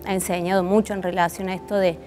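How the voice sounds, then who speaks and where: A woman's voice: on the low side, little pitch movement, fast talker, darkish tone, soft background music. A woman with a Córdoba Argentine accent answering interview questions conversationally, thoughtfully searching for words and rephrasing as she goes. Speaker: interviewed puppet theatre artist.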